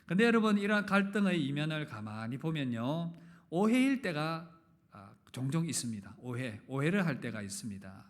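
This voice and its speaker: A pastor from the Gyeongsang region preaching a sermon in a church, questioning and joking with the congregation, with loud emphatic openings. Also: male voice, a little high, big pitch swings, moderate pace. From Gyeongsang region, Korea. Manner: asks the congregation questions and jokes with them. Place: church sanctuary. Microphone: live-streamed service mic.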